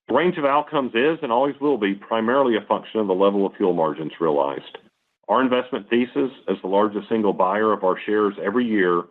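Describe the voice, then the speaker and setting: Low-voiced executive on a tinny phone line. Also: male voice. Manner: formal, measured, enumerating points. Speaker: company executive on earnings call. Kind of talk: scripted corporate presentation. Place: conference call line.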